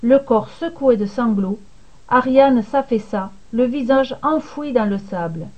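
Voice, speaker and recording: A woman reading a serialized myth aloud in scripted storybook narration, with an expressive, dramatic delivery. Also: a little high, unhurried. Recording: dull lo-fi recording.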